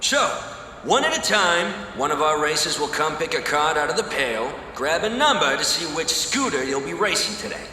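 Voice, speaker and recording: High-pitched, brazen race showman, echoing. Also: sing-song, normal speed, heavily acted. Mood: rousing. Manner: bombastic showman patter, shouting to a crowd. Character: brazen, charming showman, emcee of illegal scooter races. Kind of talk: acted audio drama, race emcee speech. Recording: echoey, distant announcer over noisy crowd.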